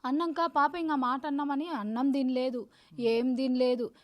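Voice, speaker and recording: A woman, talking in an interview, rapid and insistent, repeating herself as she tells what happened. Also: high voice, steady tone. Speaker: victim's sister interviewed. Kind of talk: emotional interview testimony.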